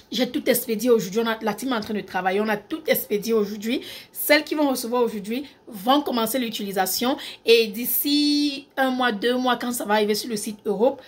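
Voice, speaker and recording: A woman who runs a skincare brand, talking casually to camera, emphatic and repeating her key points, mixing in English words. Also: on the high side.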